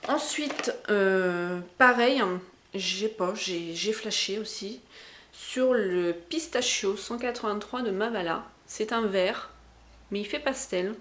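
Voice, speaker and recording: A woman's voice: mid-range voice, takes it slowly, fairly bright tone, a little hiss or hum. A woman with a Berrichon accent from the Berry region of France, chatting casually as a beauty vlogger showing makeup she bought. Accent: Berrichon French. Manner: chatty, enthusiastic, slangy.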